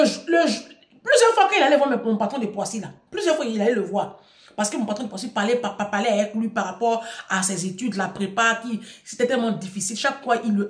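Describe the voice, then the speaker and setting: A woman's voice: fairly high pitch, echoey room. A middle-aged woman giving impassioned advice to her audience, emphatic and preachy, repeating phrases for force.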